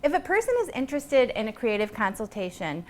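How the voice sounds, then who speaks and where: Earnest woman with a slightly high voice. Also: sing-song, fast talker, darkish tone. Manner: earnest, explanatory. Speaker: guest, painter and creativity consultant. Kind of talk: conversational interview answers.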